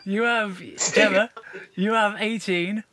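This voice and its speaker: Man doing a village scorekeeper voice, very slow, mumbling, deadpan. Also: sits high, dry recording, voice pushed up, exaggerated voice. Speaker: guest scorekeeper.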